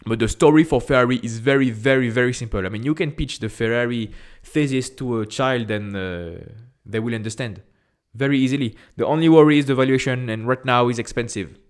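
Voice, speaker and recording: A man from France with a strong French accent, talking casually and directly to camera as an investing YouTuber, repeating phrases and often pausing on "uh". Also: medium pitch, clean tone. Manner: chatty and direct, repeats phrases, frequent "uh" fillers.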